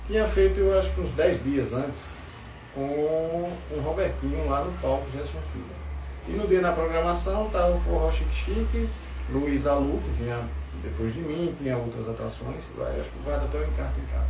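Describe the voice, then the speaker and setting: A man with a northeastern Brazilian accent telling anecdotes in casual chat as a podcast guest, often repeating words as he goes. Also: fairly high pitch. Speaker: podcast guest, forró musician. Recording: roomy, distant mic, faint background noise.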